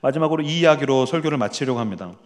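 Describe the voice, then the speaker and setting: A man, a pastor, preaching at an evening church prayer meeting, telling a family story in a lively, animated way and acting out the people in it. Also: medium pitch, very fast, in a large hall. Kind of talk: sermon storytelling.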